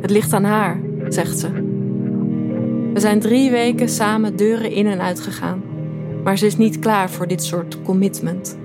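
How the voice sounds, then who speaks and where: A woman's voice: mid-range voice, steady tone, measured pace, natural voice. An actress playing a lovesick woman who narrates her romance in a wry, introspective way in an audio drama. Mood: hurt, resigned. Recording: music behind.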